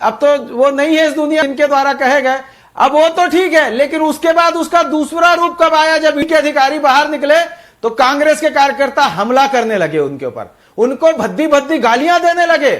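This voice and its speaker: A man's voice: very high voice, normal speed, a bit bright. A man arguing as a party spokesperson in a heated TV political debate, insisting and talking over others.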